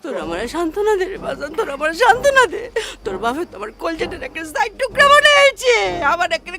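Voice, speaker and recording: A woman acts out a weeping village mother in a folk stage drama, speaking. Her high voice swings widely as she wails and laments, sounding shaken and wronged. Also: sing-song, quick pace. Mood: tearful lament. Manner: wailing, lamenting.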